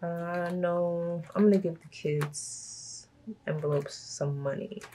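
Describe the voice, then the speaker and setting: Low, hoarse woman chatting casually. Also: slow pace, slight background noise. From Brooklyn, New York. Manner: chatty, laughs often, relaxed asides. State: hoarse from a cold. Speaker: budgeting vlogger. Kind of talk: casual chat while stuffing cash envelopes.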